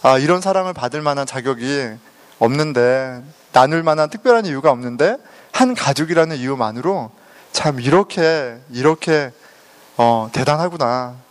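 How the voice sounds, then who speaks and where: A man's voice: mid-range voice, moderate pace. A middle-aged man from South Korea telling a personal testimony, laughing often as he talks. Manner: animated storytelling, laughing often. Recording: long hall reverb.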